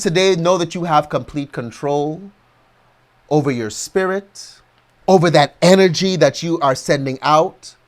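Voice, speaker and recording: An American man preaching a motivational sermon, leading the congregation through slow, emphatic affirmations. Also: high-pitched, a bit bright. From United States.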